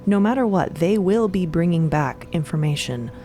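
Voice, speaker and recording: A woman's voice: on the low side, expressive, normal speed, warm tone, slight background noise. A woman giving dramatic scripted narration for a fiction podcast. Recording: voice over prominent music. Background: music.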